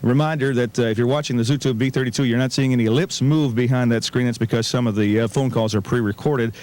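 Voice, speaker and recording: A man's voice: mid-range voice, steady tone, quick pace, a little mellow. A man hosting a morning radio show, moving between chat and live ad reads. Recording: radio aircheck with music behind.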